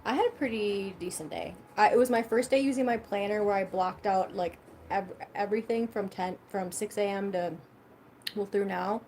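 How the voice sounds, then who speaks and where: A woman's voice: mid-range voice, moderate pace, a little mellow, a little hiss or hum. A young woman hosting a casual livestream, chatting loosely and swearing freely while she eats. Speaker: livestream host.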